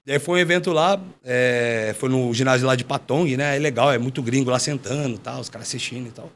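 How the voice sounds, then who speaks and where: A man, a former fighter, telling a story in casual chat, slangy and animated, acting out what others said. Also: mid-range voice, quick pace, slight background noise. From Brazil. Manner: animated, slangy, acts out quoted dialogue. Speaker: podcast guest, former MMA fighter.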